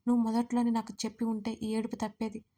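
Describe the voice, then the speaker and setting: Woman reading as a young wife, audio storybook, tearful, scolding, highish voice, flat intonation. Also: fast, natural voice. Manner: sobbing, pleading then scolding.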